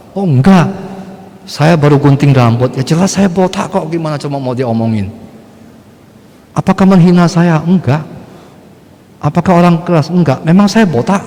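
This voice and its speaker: A man's voice: on the high side, a little mellow. Blunt male priest in echoing church. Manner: blunt, conversational, rhetorical questions. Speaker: Catholic priest. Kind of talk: sermon. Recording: long church reverb.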